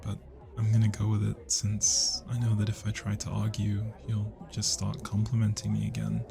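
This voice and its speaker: Shy, smitten British student, played by a man, low and gravelly, soft hesitant ASMR delivery with party music behind. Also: monotone, moderate pace. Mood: tender, hopeful. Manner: soft, hesitant, breathy sighs and whispers. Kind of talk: intimate roleplay ASMR acting. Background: party music and crowd chatter.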